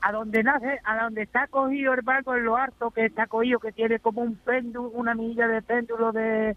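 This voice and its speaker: In an Andalusian accent, a man speaks at an extremely high pitch with a flat, monotone intonation. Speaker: mango farmer. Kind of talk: casual chat.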